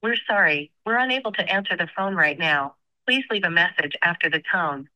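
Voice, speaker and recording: Recorded phone menu voice, dull muffled line, dry and close, even scripted reading. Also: medium pitch, brisk, no echo. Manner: even, scripted announcer delivery. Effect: heard over a phone line. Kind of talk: recorded customer service prompts.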